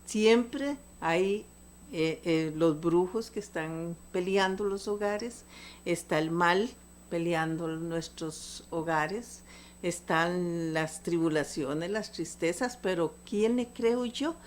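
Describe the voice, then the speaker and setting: A woman's voice: lowish voice, slow, slight background noise. An older woman, preaching a sermon with earnest fervor and asking her listeners rhetorical questions. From Costa Rica. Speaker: lay preacher.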